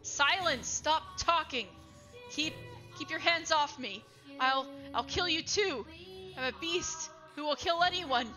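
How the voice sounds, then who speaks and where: A man playing a tormented young man who shouts frantically and stammers. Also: extremely high pitch, slow pace, music in the background. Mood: frantic.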